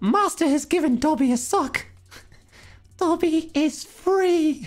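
At a fairly slow pace, someone performs a high-pitched, put-on character voice. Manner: meek, earnest.

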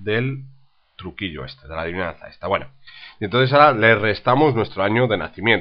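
A man with a fairly low voice speaks at a fairly quick pace in an animated tone, with lively intonation and big swings in loudness. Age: 40s. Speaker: math teacher. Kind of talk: tutorial.

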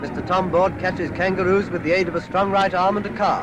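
Over noticeable background noise, a man with a high pitch speaks in an upbeat tone at a fairly quick pace, the sound dry with no echo. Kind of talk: vintage newsreel narration. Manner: brisk, upbeat, jocular. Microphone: old recording.

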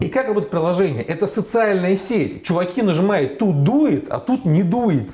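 A man with a high pitch speaks with lively intonation and hardly any pauses. Audible room echo surrounds his voice. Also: moderate pace, very even loudness. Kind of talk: casual chat. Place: studio. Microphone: lapel.

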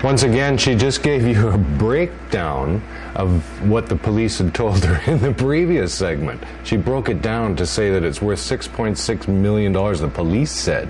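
Over music in the background, a man with a fairly low voice speaks at a moderate pace with very wide pitch swings. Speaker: cannabis show host. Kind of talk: casual commentary to camera. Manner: sarcastic, indignant. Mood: scornful, critical. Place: home room. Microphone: webcam.

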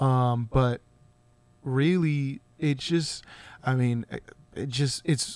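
At a very slow pace with long, frequent pauses, a man with an American accent speaks at medium pitch with fairly even intonation, the sound dry with no echo. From small farm town in California. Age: young. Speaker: music producer; guest. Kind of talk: casual interview chat. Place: studio. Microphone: studio mic.

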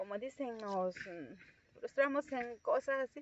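A woman with a Salvadoran accent speaks very slowly with ordinary pitch variation, in a dry recording with no echo and light background noise. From El Salvador, rural. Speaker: vlogger and farmer; vlogger. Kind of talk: casual vlog to camera. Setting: outdoors in the countryside. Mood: cheerful, laughing. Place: farm machine. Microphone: phone near.

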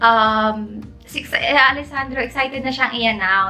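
With faint music in the background, a woman talks at a fairly slow pace and with ordinary pitch variation. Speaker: vlogger. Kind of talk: casual vlog chat. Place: home room. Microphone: phone near.

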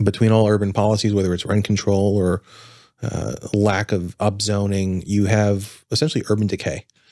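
Over a quiet background, a man talks fairly quickly in an ordinary speaking voice with a fairly low pitch. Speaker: podcast guest. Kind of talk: interview answer. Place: studio. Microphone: studio mic.

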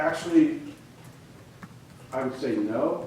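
A man speaks with ordinary pitch variation, with noticeable background noise and audible room echo in the recording. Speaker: county planning and development official. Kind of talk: presentation at city council meeting. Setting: city council chambers.

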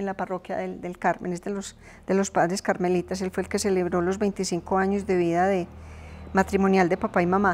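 Here a woman is speaking at a moderate pace. Her pitch sits in the medium range. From Colombia, Antioquia (La Unión). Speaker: teacher. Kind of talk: interview. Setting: TV studio. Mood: warm, nostalgic. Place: home room.

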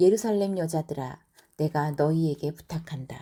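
A woman speaks at a fairly slow pace in a very deep, low voice with a dark, mellow tone. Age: middle-aged. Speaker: Bible reader. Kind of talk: reading aloud scripture.

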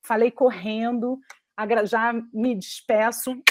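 A woman speaks against a quiet background. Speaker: film professor; panelist, teacher. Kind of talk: online panel presentation. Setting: video call. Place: home room. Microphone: earbuds.

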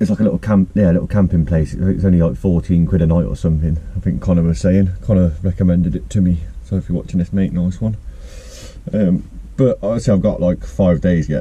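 A man with a very deep, low pitch, ordinary pitch variation and a fairly quick pace. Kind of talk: casual vlog chat. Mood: relaxed, mildly grumbling. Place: car. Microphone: camera far.

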